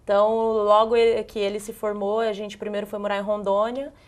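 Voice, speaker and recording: A woman's voice: medium pitch, level tone, fairly quick. Young woman with a northern Paraná accent. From northern Paraná, Brazil. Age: young adult. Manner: soft-spoken, chatty, laughs easily. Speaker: handball player guest. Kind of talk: casual interview answers. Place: TV studio.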